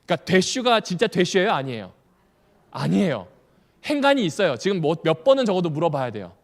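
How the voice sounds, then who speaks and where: Lively pastor teaching in an echoing hall. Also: male voice, high-pitched, brisk. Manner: asks the audience questions and repeats key points; lively, with humorous asides. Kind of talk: Bible study lecture. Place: church hall. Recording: long hall reverb.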